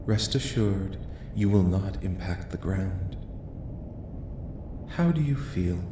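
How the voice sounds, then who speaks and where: A man voicing a calm, curious, clinical alien researcher in a soft-spoken ASMR roleplay, with measured, formal, detached questioning. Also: low-pitched. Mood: detached curiosity. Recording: roomy echo, light background noise.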